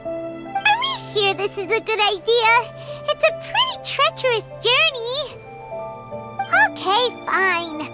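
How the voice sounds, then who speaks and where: A woman's voice: big pitch swings, takes it slowly, full character voice. A woman voicing a small, anxious and chatty female fairy companion in a video game. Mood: worried. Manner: high squeaky worried voice, refers to herself in third person. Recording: game audio with loud music behind.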